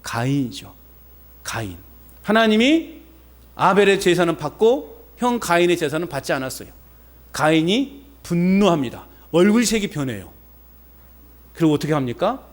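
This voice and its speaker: A male pastor preaches with a high-pitched voice that swoops up and down with lively energy. He speaks conversationally, fires rhetorical questions at his congregation and presses each point home with emphasis. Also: moderate pace, pauses often. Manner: conversational preaching with personal anecdotes. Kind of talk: sermon. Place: church service.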